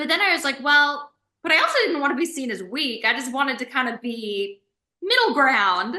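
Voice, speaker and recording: Speaking at a fairly quick pace, a woman with an American accent has an animated tone and very wide pitch swings. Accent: Southern US, largely covered. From Mississippi, US South. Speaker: reality TV contestant. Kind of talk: interview.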